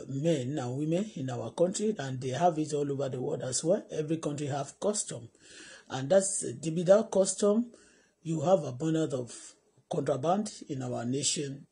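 A woman's voice: sits low, mellow, slightly rough. A middle-aged Nigerian woman with a Yoruba accent, praying fervently and then speaking emphatically to her live stream from a phone indoors. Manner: fervent, repetitive prayer cadence, emphatic. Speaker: vlogger. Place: indoor room. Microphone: phone camera at arm's length.

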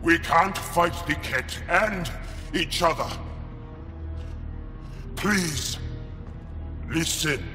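An actor playing an earnest, loyal alien resistance fighter in a video game, measured and emphatic. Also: male voice, a little high, heavily acted. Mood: pleading. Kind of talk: video game cutscene acting. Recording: long reverb, loud game music.

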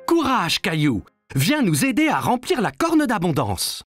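An actor playing a calm, reassuring father in a children's cartoon, patiently explaining things. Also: medium pitch, unhurried, soft background music. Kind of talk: cartoon voice acting.

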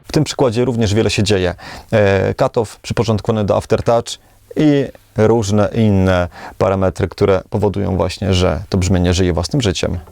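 A man's voice: lowish voice, steady tone, normal speed, gravelly, a little mellow. A man giving casual demo commentary as he reviews an instrument.

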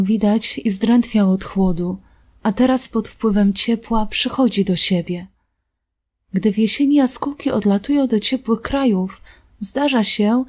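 A woman reading a fairy tale aloud in a calm, gentle narrating voice. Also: mid-range voice. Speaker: storybook reader.

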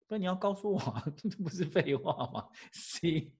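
A man, an English teacher giving a lively classroom lecture full of rhetorical questions and chuckles. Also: high voice, moderate pace, breathy edge.

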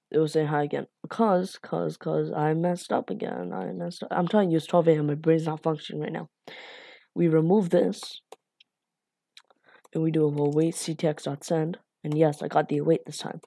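A woman walks through a coding tutorial in a low, mellow voice, rambling with fillers and apologizing for her slips. Her voice sounds a little raspy from the late hour. The recording is close and dry. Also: dry recording. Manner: rambling, self-deprecating, lots of fillers and apologies. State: a bit raspy from being up late.

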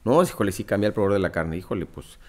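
A man's voice: on the low side, expressive, rapid-fire. A man in his thirties with a northern Mexican accent, a startup founder explaining his business in an interview, using examples and many fillers. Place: office meeting room. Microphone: studio mic on desk stand.

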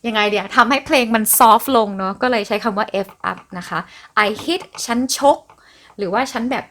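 Young woman podcast host, fairly high voice, easygoing and playful, breaks down song lyrics in a relaxed teaching chat. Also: normal speed. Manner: explains song lyrics line by line, chatty and playful. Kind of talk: casual explanatory podcast talk.

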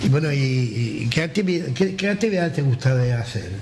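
A man's voice: mid-range voice, expressive, moderate pace, crowd noise. Middle-aged male host, friendly interviewer, community radio talk. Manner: friendly, prompting questions. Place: community hall with audience. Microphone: table mic on stand.

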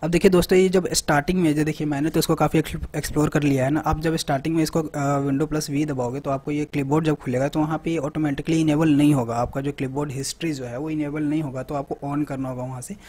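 A man hosting a tech tutorial, talking casually through a software demo and often checking in with the viewer. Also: on the high side, fairly even intonation, fast, hardly any pauses. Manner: conversational, repeats "theek hai" often. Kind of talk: screen-recorded software walkthrough.

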